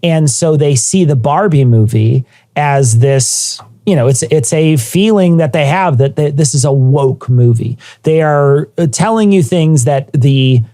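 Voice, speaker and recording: A man's voice: a little high, a little slow, no echo. A man co-hosting a podcast, mocking and profane in casual chat. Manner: profane, mocking, animated rants. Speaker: podcast co-host.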